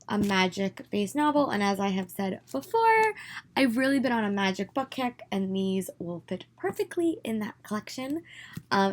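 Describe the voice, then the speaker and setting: A young woman talks through her purchases in a chatty, eager way, her voice a little hoarse and stuffy from congestion. Her pitch sits at a middle height, and there is faint noise behind her. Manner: chatty, enthusiastic, many "um"s. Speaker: book vlogger. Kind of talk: casual haul video. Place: her room at home.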